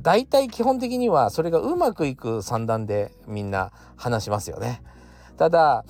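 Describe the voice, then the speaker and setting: Guy rambling on his podcast, lowish voice that bounces all over, lots of uh and little laughs. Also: a little mellow. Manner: chatty, many fillers, chuckles often. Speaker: podcast host. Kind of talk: casual solo talk.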